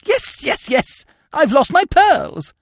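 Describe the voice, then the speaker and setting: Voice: medium pitch, wildly swooping pitch, normal speed, dry recording, studio quality. A performer voicing an imperious, easily outraged elderly English aunt, snapping and exclaiming theatrically in an audiobook story. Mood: snappish outrage.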